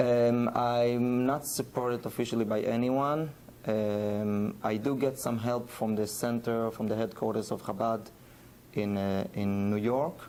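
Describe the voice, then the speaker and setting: With an Israeli accent, a man speaks at a fairly slow pace in a medium pitch, his dark, mellow tone held at very even loudness with fairly even intonation, while audible room echo fills the recording. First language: Hebrew. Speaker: rabbi. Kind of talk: lecture. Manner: halting, many fillers.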